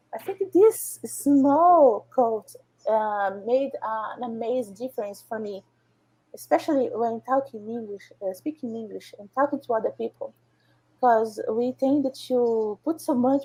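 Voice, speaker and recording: With a Brazilian Portuguese accent, a woman speaks at a fairly slow pace in a high pitch and a dark, mellow tone, with ordinary pitch variation and big swings in loudness. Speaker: software professional, panelist. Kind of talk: panel discussion.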